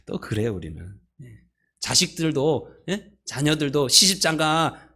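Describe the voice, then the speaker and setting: A man's voice: mid-range voice, fairly bright tone, slightly rough. A male pastor giving a sermon in a church, conversational and playful, often asking the congregation questions. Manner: playful, laughs at his own jokes. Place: church sanctuary.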